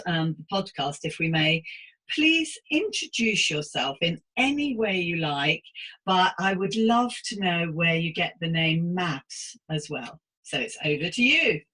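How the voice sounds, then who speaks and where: A woman's voice: fairly low pitch, pushed and bright, slightly rough, low-quality recording. Woman around 60, podcast host. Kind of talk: scripted intro and chatty interview hosting.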